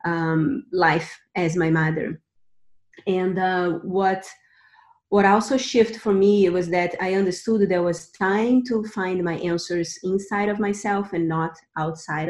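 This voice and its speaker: Soft-spoken woman from Brazil, echoey room. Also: fairly low pitch. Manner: earnest, many restarts and repeated words. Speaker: guest, Akashic Records teacher. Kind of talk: interview, personal story.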